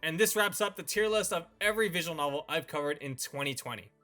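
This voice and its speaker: A man with a fairly high, very bright and forward voice hosts a review video. He reads prepared commentary in a measured, presenter-like manner. Music plays behind his voice. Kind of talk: scripted review narration. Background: background music.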